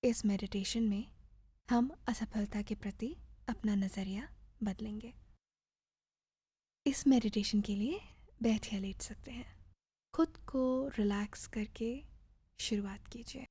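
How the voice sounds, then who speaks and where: Slow, breathy woman guiding meditation. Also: mid-range voice, steady tone, no room sound. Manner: gentle, soothing, measured instruction with pauses. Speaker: meditation guide. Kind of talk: guided meditation narration.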